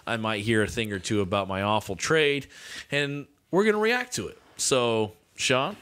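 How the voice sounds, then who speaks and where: A man's voice: mid-range voice, lively intonation, moderate pace, fairly bright tone, clear, resonant tone. Casual guy co-hosting a podcast. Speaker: podcast co-host. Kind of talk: casual sports podcast banter.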